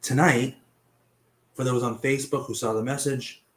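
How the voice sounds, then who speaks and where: This young host of a laid-back web mystery show narrates in a chatty, mildly profane way, fumbling names while coughing through a half-gone voice. His pitch is mid-range and slightly bright, with fairly even intonation at a normal speed.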